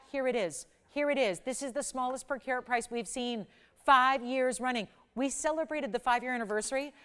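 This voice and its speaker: Smooth-voiced woman pitching jewelry live. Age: 40s. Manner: enthusiastic, emphatic, repeats selling points. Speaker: jewelry shopping host. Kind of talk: live TV shopping sales pitch.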